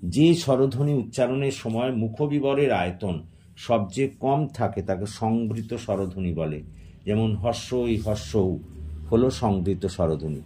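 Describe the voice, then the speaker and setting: A male teacher works through exam questions one after another, answering each in a steady dictating manner. His voice sits low and mellow, and there is a faint noise behind it. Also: a little slow.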